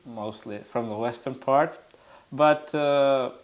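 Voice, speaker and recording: A man with an Albanian accent, a native Albanian speaker, hosting an interview and asking questions in a halting way, often searching for words. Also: mid-range voice, dull audio. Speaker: interviewer, host.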